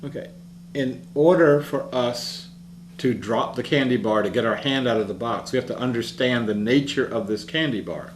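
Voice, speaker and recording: A man's voice: mid-range voice, normal speed. A man giving an earnest, reflective public talk in an easygoing storytelling manner. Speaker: speaker. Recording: roomy echo with faint hum.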